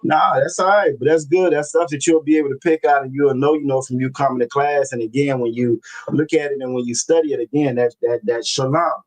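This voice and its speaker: A man teaching a religious language class over a video call, reading scripture slowly and often repeating himself. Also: medium pitch, steady tone, low-quality recording. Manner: repeats phrases, constant "you know what I'm saying"; slow, deliberate scripture reading.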